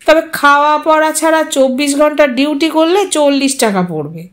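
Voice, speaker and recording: Speaking at a moderate pace, a woman voices a thin, poor man who talks plainly about money while haggling. Her voice is high-pitched, raised above her own natural pitch yet still close to an everyday voice.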